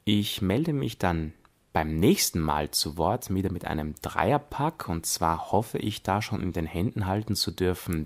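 Low-voiced Austrian man reviewing. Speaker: podcast reviewer. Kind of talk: spoken audio drama review.

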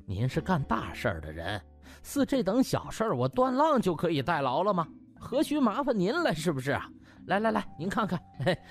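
A man voicing a smug young schemer in an audiobook, gloating with oily, mock-polite courtesy and drawn-out interjections. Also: a little high. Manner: oily fawning mockery, drawn-out interjections, chuckling. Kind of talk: audiobook character acting.

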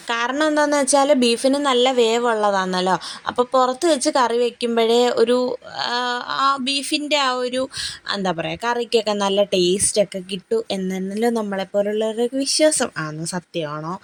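A woman's voice: a little high, animated, moderate pace. A young woman narrating her family day in a casual vlog, rambling and chatty with frequent fillers and tag-questions. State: tired and sluggish after a heavy meal. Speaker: family vlogger.

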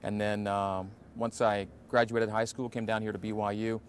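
Forties male announcer, low voice, easygoing interview answers, faint hiss underneath. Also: normal speed. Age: 40s. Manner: relaxed, reflective, many fillers. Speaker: play-by-play radio announcer. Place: empty indoor basketball arena.

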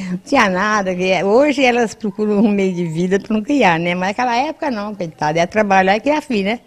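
A woman's voice: mid-range voice, animated, fairly quick. Elderly Brazilian woman, homely and colloquial. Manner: homely, colloquial, frequent tag questions. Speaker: interviewee. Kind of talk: casual reminiscing in an interview. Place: at home, by a house wall. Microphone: handheld interview microphone.

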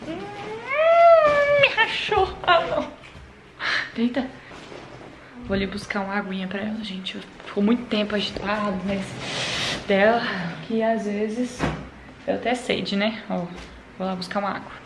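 A woman vlogging casually to her viewers from a bedroom at night, talking in a chatty way that often drops to a hushed murmur. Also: mid-range voice, fairly even intonation, normal speed, pauses often, roomy sound, noisy background. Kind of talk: casual vlog chat to viewers.

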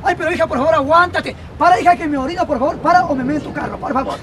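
A man's voice: extremely high pitch, very fast. A man voicing two posh, tipsy rich women who whine and plead. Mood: whiny. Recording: outdoor street crowd noise.

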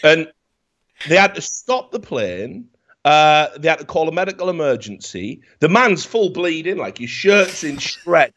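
A man, swearing freely and telling a story loudly in a casual chat, on a headset mic. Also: on the high side, unhurried. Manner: profane, animated storytelling, gets loud when worked up. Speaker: podcast host. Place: home room, indoors. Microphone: headset with desk mic.

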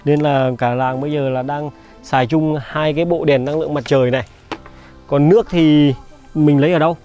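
A man's voice: a little high, fairly even intonation, brisk, dark tone, highs cut off, soft background music. A young man vlogging on a village visit, chatty and caring, talking straight to his viewers. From Vietnam. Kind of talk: casual vlog chat.

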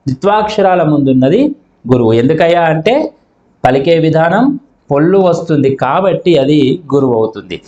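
A man teaching a grammar lesson, speaking slowly and sounding out syllables to show how they are pronounced. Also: a little high, lively intonation, dark tone. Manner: slow, deliberate, sounds out syllables to demonstrate. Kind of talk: explanatory classroom lesson. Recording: echoey room, dull lo-fi sound.

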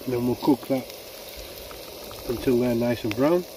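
Loud frying and bubbling sit around a man's voice picked up at some distance from the mic. He speaks at an ordinary middle pitch, informally explaining each cooking step and thinking aloud as he works at an outdoor camp. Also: steady tone, a little slow, noisy background. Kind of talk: casual step-by-step cooking narration. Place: outdoors at a woodland camp, beside a cooking pan. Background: frying and bubbling food.

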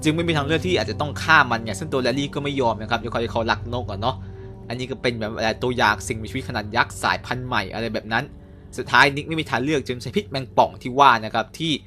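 Fast-talking bright-voiced man recapping. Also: medium pitch, faint music behind. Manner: chatty, polite particles, quick asides. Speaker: cartoon recap reviewer. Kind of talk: casual spoiler recap.

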